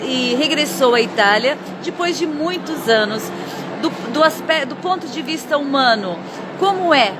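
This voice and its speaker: A woman interviewing an author at a book fair, warm and encouraging. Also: high voice, noisy background.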